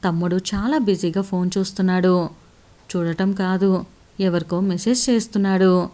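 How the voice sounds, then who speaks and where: A woman's voice: fairly low pitch, fairly even intonation, moderate pace, dark tone. A woman narrating a romantic story in the first person, in an intimate, emotional storytelling manner.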